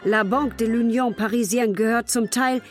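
A woman playing a solemn chorus voice, reciting measured verse in a literary radio play. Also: fairly high pitch, steady tone, faint music behind, lightly acted.

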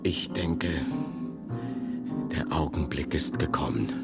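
An actor playing a solemn, awestruck medieval monk and thinker in a radio drama, grave and breathy with dramatic pauses. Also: male voice, rumbling low, over loud music, exaggerated voice. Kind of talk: radio drama acting in German.

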